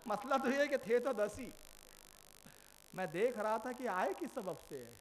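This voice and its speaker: High-voiced male preacher telling stories. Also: a little hiss or hum. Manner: animated, acting out dialogue and questioning listeners. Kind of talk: Muharram sermon storytelling.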